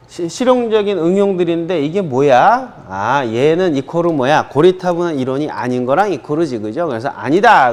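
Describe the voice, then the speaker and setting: A man from South Korea teaching an English grammar lesson in Korean, checking in with listeners often and slowing way down to model English phrases for repetition. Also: fairly high pitch. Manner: drills students with frequent "그죠?" and slow English repeats.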